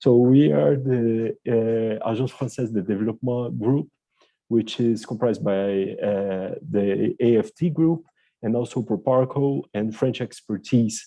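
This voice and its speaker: Speaking with a Portuguese accent at a fairly slow pace, the speaker shows ordinary pitch variation. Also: man, medium pitch for a man. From Brazil. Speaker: development agency project manager, economist. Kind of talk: conference presentation. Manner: hesitant, many fillers.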